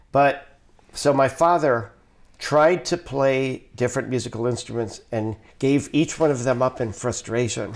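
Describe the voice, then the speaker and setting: A man with an American accent, an ordinary speaking voice, medium pitch, ordinary pitch variation, and a fairly slow pace. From Cleveland, Ohio. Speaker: jazz clarinetist and saxophonist. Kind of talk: interview.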